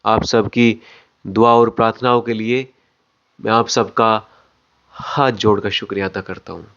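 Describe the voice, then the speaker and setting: A man acting out a factory owner's son who solemnly and confidently addresses his employees in slow, deliberate phrases, as in a film drama. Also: fairly low pitch, fairly even intonation, fairly bright tone. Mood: grateful, soft. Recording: dull lo-fi audio.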